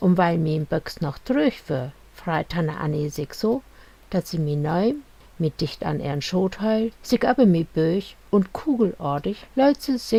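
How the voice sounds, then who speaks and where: A woman speaks with a Low German accent in a dark, mellow tone at a fairly low pitch. Her pitch swings very widely, and her pace is fairly slow. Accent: Low German (Heidjer Platt) dialect. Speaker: storyteller of local memories. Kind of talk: personal memoir reading in dialect.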